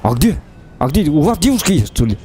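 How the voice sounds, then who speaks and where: A man's voice: fairly high pitch, big pitch swings, fairly quick, dark tone, slight background noise. A man with as his language, chatting casually and playfully as he streams an online role-play game, asking questions and repeating himself. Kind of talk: casual improvised in-game chat.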